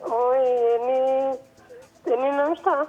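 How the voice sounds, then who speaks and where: A woman's voice: high-pitched, takes it slowly. A woman heard over the phone, giving short, guarded replies to a caller. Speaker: former staff answering a call. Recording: tinny phone line.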